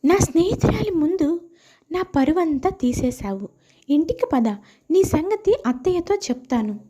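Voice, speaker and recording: Woman playing status-conscious elder sister-in-law, reproachful, high soft-toned voice, animated moral tale. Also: a little slow. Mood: annoyed. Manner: chiding.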